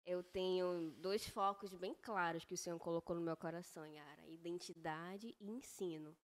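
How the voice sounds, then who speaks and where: A woman's voice: lowish voice, fairly even intonation. Earnest woman guest on a faith podcast. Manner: earnest, reflective, measured with frequent "né?". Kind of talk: faith-based podcast conversation.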